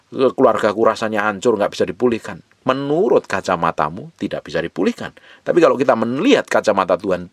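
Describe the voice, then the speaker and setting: A man preaching a sermon as pastor, a slight touch, pressing his points through repetition and sudden loud rises. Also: on the low side, no room sound.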